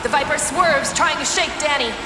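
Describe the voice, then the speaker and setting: A high-voiced woman race announcer, played by an actress, excitable and wry, calls the action play-by-play. The sound is echoey, with loud music behind her. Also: normal speed, natural voice. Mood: excited. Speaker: race commentator. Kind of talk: excited sports play-by-play commentary in scripted audio drama.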